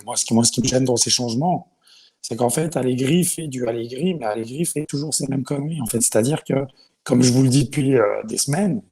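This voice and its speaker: Husky, mellow-voiced male panelist. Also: medium pitch. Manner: searching for words, then emphatic. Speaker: regular panelist. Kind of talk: casual football debate.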